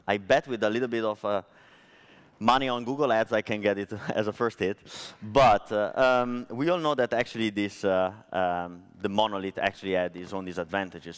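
A man's voice: lowish voice, clean tone. Italian-accented man giving a conference talk. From Italy. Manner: chatty, storytelling, frequent fillers. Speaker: conference speaker. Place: large conference hall stage. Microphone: headset mic.

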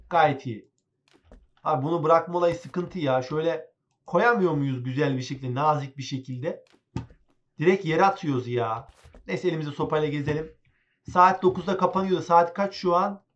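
A man chatting excitably as he plays a game, talking to his viewers and to the game characters. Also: high voice, muffled recording. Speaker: gaming channel host. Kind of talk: casual let's-play commentary.

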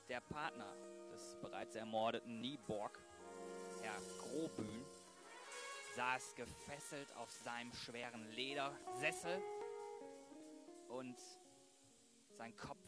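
Slow-paced male narrator over music. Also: mid-range voice. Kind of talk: dramatic crime audio drama narration.

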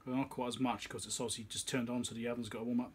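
Husky and very fast, this man's medium-pitched, level voice runs through casual bench talk. He's an electronics repair technician and video host, thinking aloud in a muttering, offhand way at his small, cluttered workbench indoors.

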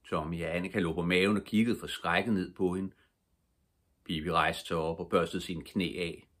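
An older man reading a children's book aloud as a calm, steady bedtime story. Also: low-pitched. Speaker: storybook reader.

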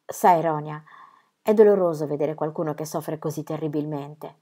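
A woman voicing a calm, loving mother in a reading of a children's story, speaking slowly and softly. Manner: slow, calm, low and soft. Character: calm, loving mother Lovisa, steady and wise.

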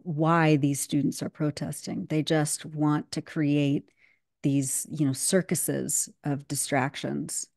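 Woman in her 30s, low mellow voice, dry close sound, talks with emphasis and lots of ums on a call. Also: no room sound. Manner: fluent and emphatic, with many fillers. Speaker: guest commentator. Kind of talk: casual video-call discussion. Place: home room on a video call.

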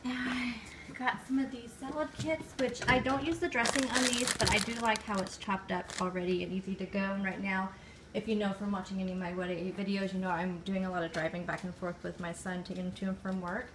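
A woman's voice: mid-range voice, flat delivery, fairly quick, slight background noise, low-quality recording. A woman in her forties casually showing off her groceries at home, listing items and their points and correcting herself as she goes. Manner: chatty, lists items and point values, self-corrects. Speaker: vlogger. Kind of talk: casual grocery haul show-and-tell. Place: home kitchen table. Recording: loud crinkling bags near the mic.

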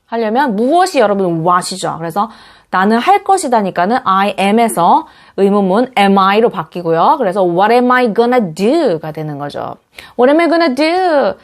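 Animated woman English teacher. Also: mid-range voice. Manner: lively explaining, repeats English example phrases slowly. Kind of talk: online English lesson.

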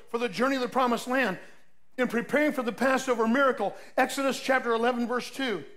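Older man, pastor, high-pitched voice, folksy sermon, emphatic, soft asides. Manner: folksy, storytelling, emphatic with sudden loud peaks and soft drops.

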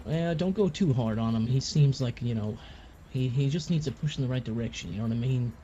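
A man's voice: mid-range voice, a little fast, mellow, lightly acted. A man playing an easygoing, paternal lawman in improvised game role-play, talking in a mild, hesitant way. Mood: casual. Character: easygoing small-town lawman, paternal and folksy. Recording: dull, faintly noisy game voice chat.

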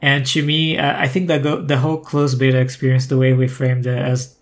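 A man's voice: mid-range voice, level tone, a little fast. A man, a guest talking casually and thoughtfully on a podcast, often restarting his sentences. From Brazil. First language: Portuguese. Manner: thoughtful, rambling with frequent restarts. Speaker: guest, former community manager.

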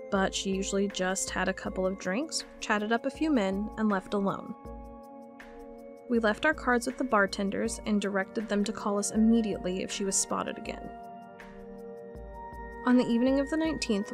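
A woman's voice: mid-range voice, close to an everyday voice. A woman playing an inquisitive FBI cold case agent in an audio drama. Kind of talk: audio drama acting, reading case files aloud.

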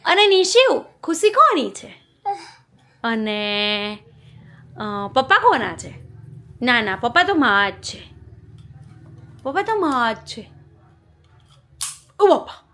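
A young mother and family vlogger chats playfully at home, coaxing her toddler in sing-song baby talk. Her voice is on the high side, bright and forceful, with a slow pace and long pauses.

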